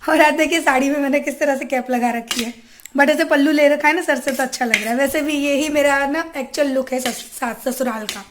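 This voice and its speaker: A woman's voice: sits high, a little fast, a little hiss or hum. A young woman from India chatting casually to viewers about her household routine in a home vlog. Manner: chatty, addresses viewers directly. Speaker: family vlogger.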